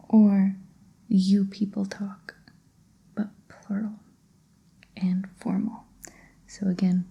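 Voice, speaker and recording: A woman whispering a Spanish grammar lesson, slow and patient, in a breathy ASMR style. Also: medium pitch, muffled recording. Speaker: Spanish tutor.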